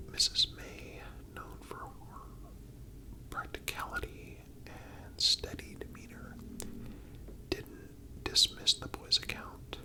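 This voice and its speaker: A man whispering a scripted story as an ASMR host, in a measured, deliberate way with pauses. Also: low-quality recording.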